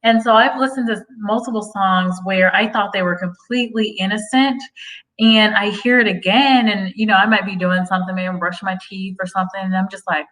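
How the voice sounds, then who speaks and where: A woman's voice: medium pitch, fairly even intonation, brisk, a bit bright, distant mic, rough recording. A woman hosting a casual livestream, reading viewer comments aloud, chatty and prone to tangents, with frequent laughs. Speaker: host of a career-advice livestream.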